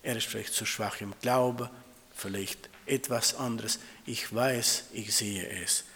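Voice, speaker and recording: A man preaching a sermon to his congregation, calling them siblings and quoting scripture, with halting, non-native phrasing and restarts. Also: lowish voice, steady tone, a bit bright. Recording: long hall reverb.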